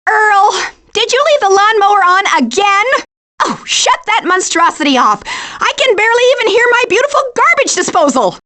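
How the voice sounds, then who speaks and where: Screechy, bossy suburban wife for a cartoon game, shrill and wildly animated complaints. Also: female voice, normal speed, full character voice. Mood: annoyed. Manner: complaining, imperious. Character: nagging, screechy suburban housewife. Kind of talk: cartoon video game voice acting.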